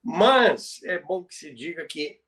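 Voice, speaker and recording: A man with a Brazilian accent and a slightly high voice presents a podcast in a conversational storytelling style. He explains emphatically and repeats key phrases to make his point. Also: lively intonation, slow, a bit bright. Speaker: podcast presenter on radio history. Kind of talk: conversational storytelling about radio history.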